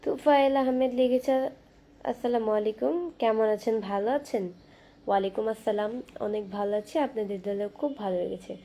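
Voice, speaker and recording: A young woman hosting a casual live stream from her phone, reading viewer comments aloud and chatting back in a soft, quiet voice. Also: fairly high pitch. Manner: soft-spoken, talking quietly and slowly. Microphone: phone camera.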